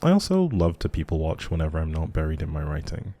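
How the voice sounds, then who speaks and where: A man's voice: extremely low pitch, wildly swooping pitch, quick pace, dark tone, exaggerated voice. A man playing a shy, socially anxious but friendly young writer in an intimate audio roleplay, rambling hesitantly and apologetically to the listener.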